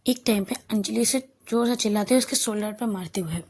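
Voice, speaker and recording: A woman's voice: medium pitch, brisk, a little mellow, slightly rough. A young woman narrating a love story in a casual, chatty way, often correcting herself as she goes.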